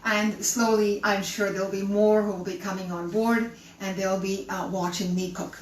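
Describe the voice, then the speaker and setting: A woman's voice: medium pitch, fairly even intonation, normal speed. A middle-aged woman from Canada and Chile hosting a live cooking stream, chatty and welcoming as she speaks straight to her viewers. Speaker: cooking show host. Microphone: camera held by her son at a distance. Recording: roomy and distant with faint hum.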